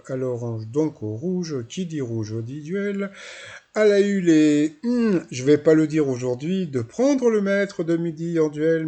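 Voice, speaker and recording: A man's voice: medium pitch, dark tone. A man with a Marseille accent hosting his channel, recapping a game show in a rambling, hesitant way with mocking asides. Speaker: YouTube channel host.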